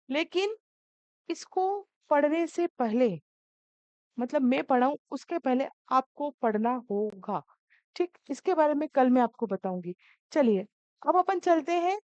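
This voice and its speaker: A woman's voice: high voice, a little mellow, no room sound, dull audio. A woman teaching an exam-prep lesson, calling her students "beta" as she coaxes and scolds them.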